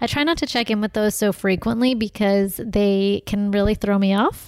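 This woman has an ordinary speaking voice with medium pitch, fairly even intonation and a moderate pace in a dry, close sound with no echo. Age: 30s. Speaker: podcast host. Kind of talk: casual interview chat.

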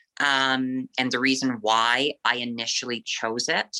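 In an Albertan accent, a woman talks at a very slow pace with a very deep, low pitch and a bright, sharp tone. Her intonation is monotone and flat, and the sound is dry and close with no echo. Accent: Canadian (Alberta). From rural Alberta, Canada. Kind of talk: interview.

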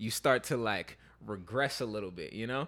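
A man talks at a moderate pace in an ordinary speaking voice with ordinary pitch variation. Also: very clean recording, silent background. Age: 20s. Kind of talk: casual chat. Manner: relaxed, filler-heavy.

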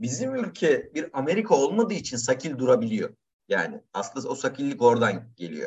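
A man talks at a fairly quick pace. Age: 30s. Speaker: podcast co-host. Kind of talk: casual chat. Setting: online call recording.

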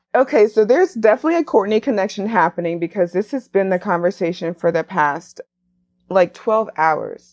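At a moderate pace, a woman with an American accent and an unremarkable speaking voice talks at a medium pitch with lively intonation, in a dry, close sound with no echo. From US South. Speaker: anti-racism educator and community organizer. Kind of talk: casual interview.

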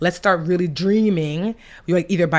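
A woman is speaking. The background is quiet. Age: 40s. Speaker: financial educator. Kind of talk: interview.

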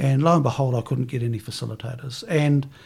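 A man speaks in a New Zealand accent with a fairly high pitch. His dark, mellow tone is somewhat breathy. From New Zealand, North Island. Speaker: business founder and facilitator. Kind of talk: interview.

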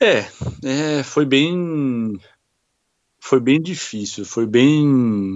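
At a very slow pace broken by long, frequent pauses, a man talks at a medium pitch with lively intonation. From Brazil. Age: 40s. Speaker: Brazilian expatriate sharing grief story. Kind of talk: interview testimony. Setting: remote connection. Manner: hesitant, many fillers.

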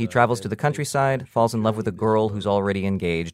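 The recording is very clean, with a silent background. A man speaks in an unremarkable speaking voice with ordinary pitch variation. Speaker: radio reporter. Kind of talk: scripted narration.

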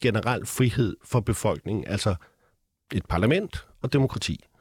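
Recorded with a dry, close sound and no echo, a man speaks at a medium pitch with lively intonation. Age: 60s. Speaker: professor. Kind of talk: interview. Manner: halting.

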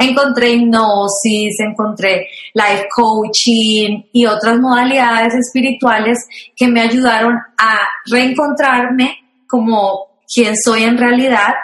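A woman speaks very slowly in a fairly high pitch. Her intonation is flat and monotone, and her loudness stays very even. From Colombia, Bucaramanga. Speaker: life coach and hypnotherapist. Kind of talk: interview, personal story.

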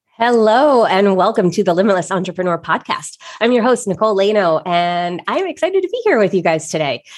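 Over noticeable background noise, a woman at a medium pitch talks at a fairly quick pace with lively intonation, very even loudness and hardly any pauses. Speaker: podcast host. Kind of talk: casual monologue podcast.

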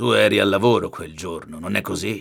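A man's voice with vocal fry and lively intonation, at a fairly slow pace. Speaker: hotel manager character. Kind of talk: scripted drama dialogue.

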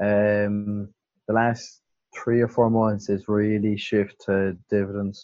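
Speaking with an Irish accent, a man talks very slowly at a fairly low pitch, his dark, mellow tone flat and monotone. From Ireland. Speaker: football index trader. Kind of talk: casual chat.

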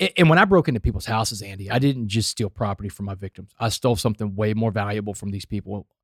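A man's very fast speech with a Southeast Texas accent and hardly any pauses, in a dry, close sound with no echo. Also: fairly low pitch for a man, ordinary pitch variation, very clean recording, silent background. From Texas, Port Arthur. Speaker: keynote speaker and author. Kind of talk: casual chat with storytelling. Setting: studio.

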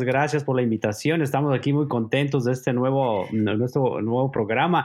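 With an unremarkable speaking voice, a man talks at a fairly quick pace in a medium pitch, with fairly even intonation, very even loudness and hardly any pauses. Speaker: vocations ministry assistant. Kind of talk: casual chat.

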